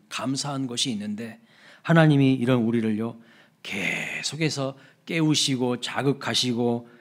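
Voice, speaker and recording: A man preaching a Sunday sermon as the pastor of a church, emphatic, with sudden soft drops and exclamations he acts out. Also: medium pitch, husky. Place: church sanctuary.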